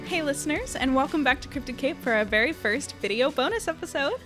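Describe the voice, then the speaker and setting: A woman's voice: sits high, big pitch swings, fast talker, over music. A woman hosting a podcast in an upbeat, casual style over an online video call. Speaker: podcast host.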